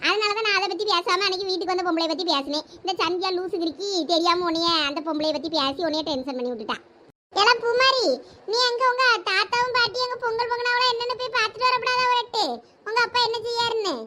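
A woman's cartoonish character voice, extremely high in pitch, with lively intonation. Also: moderate pace. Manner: blunt, commanding.

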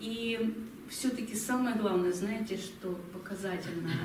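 At a moderate pace and with fairly even intonation, a woman speaks through audible room echo and noticeable background noise. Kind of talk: sermon-like testimony to congregation. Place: church.

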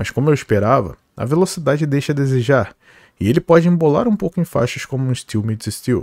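Fairly quick and with lively intonation, an unremarkable speaking voice comes through dry and close with no echo on a very clean recording with a silent background. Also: man, fairly high pitch for a man. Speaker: headphone reviewer. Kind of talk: scripted narration.

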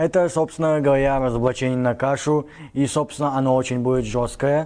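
Intonation is flat and monotone. The speaking pace is moderate. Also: man. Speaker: video blogger. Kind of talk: interview conversation. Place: home room. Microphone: lapel.

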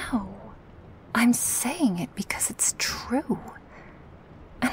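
A woman speaks very slowly in a fairly high, gentle voice with lively intonation. Noticeable background noise runs underneath. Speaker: ASMR creator performing girlfriend roleplay. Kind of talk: ASMR comfort roleplay, scripted girlfriend monologue to listener. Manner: soft, tender, intimate and reassuring; gentle, slow-paced, with soft laughs and sighs.

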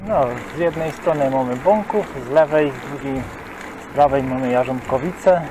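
This man talks at a moderate pace with big swings in loudness, ordinary pitch variation and a fairly high pitch. The sound is dry with no echo, and there is noticeable background noise. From Upper Silesia, Poland. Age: 30s. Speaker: cycling vlogger. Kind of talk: casual vlog monologue. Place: bicycle. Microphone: camera far.

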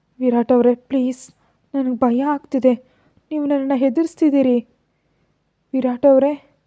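A woman's put-on character voice, soft-spoken and shaky, high-pitched with a monotone, flat intonation and a fairly slow pace. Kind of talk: polite, addressing him respectfully. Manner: trembling, soft.

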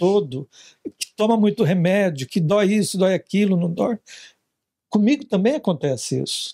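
With a high pitch and a dark, mellow tone, a man speaks with lively intonation over a quiet background. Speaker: interview guest. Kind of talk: interview answer. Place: studio. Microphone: studio mic.

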